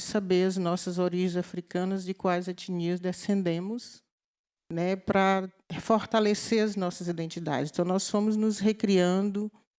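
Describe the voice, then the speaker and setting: On a very clean recording with a silent background, a woman of medium pitch speaks at a moderate pace in a dark, mellow tone with monotone, flat intonation. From Maranhão, Brazil (quilombola community near Bacabal). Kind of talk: panel discussion talk. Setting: theatre stage with audience.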